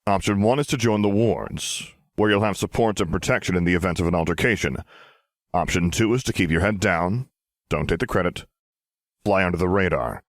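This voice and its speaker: A male actor plays a commanding superhero in an audiobook drama. His voice is deep and calm, with a measured, persuasive delivery, captured very dry and close. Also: dry recording. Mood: grave, persuasive. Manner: deliberate, measured. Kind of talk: audiobook character dialogue.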